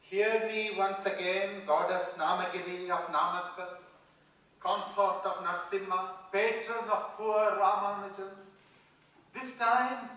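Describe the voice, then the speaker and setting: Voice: mid-range voice, pushed and bright. An actor playing a devout, childlike and intense young Indian male mathematician in a theatrical play reading. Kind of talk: dramatised stage play reading. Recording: distant mic in very echoey hall.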